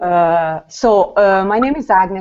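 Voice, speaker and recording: A woman with a Hungarian accent. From Hungary. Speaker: entrepreneur mom. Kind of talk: casual chat. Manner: halting. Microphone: says she hears an echo.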